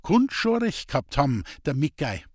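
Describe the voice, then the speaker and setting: A man's voice: a little high, big pitch swings, normal speed, no room sound, clean studio sound. A man voicing a weary, bitter old village woman speaking in Bavarian dialect in a storybook reading. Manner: plaintive, bitter, resigned.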